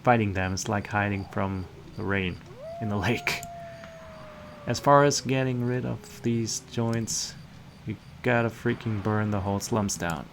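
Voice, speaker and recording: A man's voice: lowish voice, measured pace, a little hiss or hum. A man reading the part of a cynical, world-weary guardsman in a visual novel. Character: gruff, cynical male slum guardsman reporting a murder.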